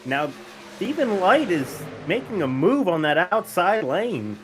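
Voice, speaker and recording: Man calling a sim race, relaxed. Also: high voice, measured pace, a little hiss or hum. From northern United States. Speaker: race commentator. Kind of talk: casual play-by-play commentary.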